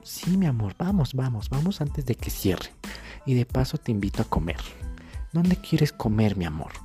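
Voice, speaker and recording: A woman's voice: very deep voice, big pitch swings, normal speed, mellow, soft background music. A woman voicing a doting, generous young boyfriend in a comedic sketch. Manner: soothing, eager to please.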